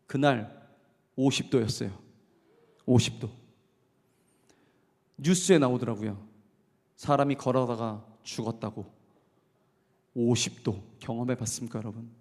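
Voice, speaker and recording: A male pastor preaching a sermon, telling a story with lively questions to the congregation and acting out the dialogue. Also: mid-range voice. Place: church sanctuary. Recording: long church hall reverb.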